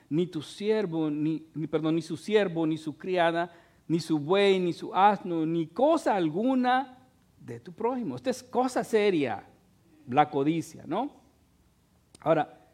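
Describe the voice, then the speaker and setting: A man's voice: on the high side, a little mellow. A man. He talks in a conversational way, tossing in short questions to the listeners. His voice rises in force on the points he stresses. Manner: conversational preaching, tag questions, rising emphasis. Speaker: pastor. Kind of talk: sermon.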